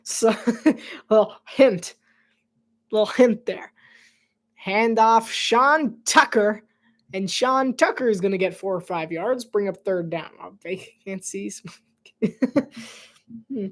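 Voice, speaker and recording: A man calling a game live in a loose, conversational way, wandering into side stories between plays. He laughs often and sometimes drops his voice to a near whisper for quick asides. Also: high voice, fairly bright tone. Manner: chatty, rambling asides, frequent laughs. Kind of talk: casual play-by-play livestream commentary.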